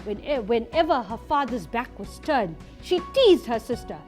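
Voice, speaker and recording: A woman teaching a reading lesson to a class, lively and playful. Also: fairly high pitch, measured pace, faint music behind. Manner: lively, switching to a playful storyteller persona.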